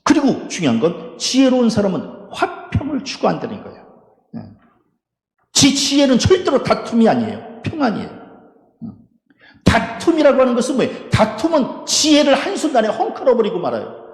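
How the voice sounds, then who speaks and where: A high-voiced male pastor preaches with a wide, animated pitch that jumps up on his rhetorical questions. He laughs briefly between points. His voice rings through a church sanctuary with a long, echoing reverb. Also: brisk. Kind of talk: sermon.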